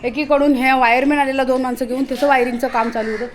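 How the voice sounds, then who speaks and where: High-voiced chatty woman vlogger. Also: flat delivery, quick pace, soft background music. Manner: chatty, calls out loudly to her dog. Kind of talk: casual home vlog. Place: house under renovation, indoors.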